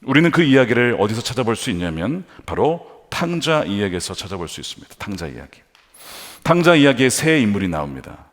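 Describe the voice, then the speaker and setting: A man preaching a sermon as pastor, building to emphatic peaks and then dropping to quiet asides. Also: lowish voice, very animated, a little fast. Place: large church sanctuary. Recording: long hall reverb from a church sanctuary.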